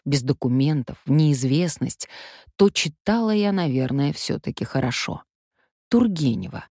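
An older woman from Siberia, a stage actress, telling stories from her own life in a wry, lively anecdotal way. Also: rumbling low, no room sound, clean studio sound. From Omsk, Siberia, Russia. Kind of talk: memoir storytelling.

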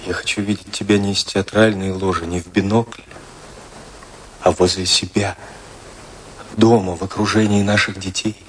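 Radio play male lead: an ardent rich gentleman lover, lower-pitched, courtly and deliberate, faint noise. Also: level tone. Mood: earnest pleading. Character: wealthy gallant millionaire suitor, devoted and earnest. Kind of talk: theatrical radio drama dialogue.

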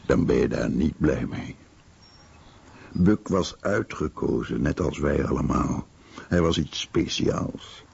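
A man speaking a translated account in a radio documentary, with a gravelly, husky voice. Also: very deep voice, a little mellow. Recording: dull, muffled lo-fi audio.

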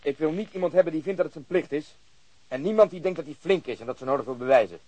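Fast-talking, gruff police commander. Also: male voice, fairly high pitch, expressive, darkish tone, rough recording. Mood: commanding. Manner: curt, swearing, sardonic. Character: gruff, blunt, impatient police officer taking command. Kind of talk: radio drama acting.

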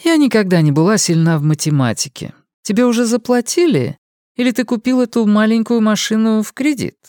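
A male audiobook reader voicing a stern, disapproving older mother, raising his voice into a prim, sharp-tongued tone. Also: high voice, expressive, a little fast, no echo, clean studio sound, pitched above the performer's own voice. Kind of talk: audiobook character voice.

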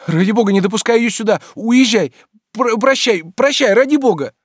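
A man reading a weary, resigned gentle landowner. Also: fairly high pitch, expressive, a little slow, dry recording, studio quality, pitched above the performer's own voice. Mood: frightened. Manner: soft, pleading, shrinking back. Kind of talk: audiobook reading.

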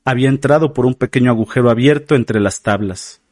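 A man's voice: medium pitch, a little fast, darkish tone, dry recording, studio quality. Somber male audiobook narrator.

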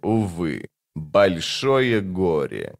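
A decrepit monster of death: low, trembling, drawn-out, mocking. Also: male voice, big pitch swings, creaky, no room sound, clean studio sound, full character voice. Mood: sardonic. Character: creaky decrepit death-servant monster, sardonic, sluggish.

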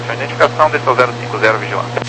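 Rapid Brazilian man on air traffic radio. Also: medium pitch. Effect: aviation radio. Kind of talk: air traffic control radio, clipped procedural exchanges. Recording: noisy radio with hum.

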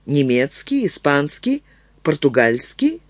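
A man's voice: on the high side, very animated, takes it slowly, no echo, heavily acted. Hesitant polite woman folklorist, read by a man.

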